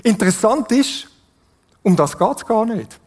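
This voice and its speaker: A man's voice: high-pitched, animated, measured pace. A man with a Swiss German accent preaching a sermon in an earnest, conversational way, often putting questions to his listeners.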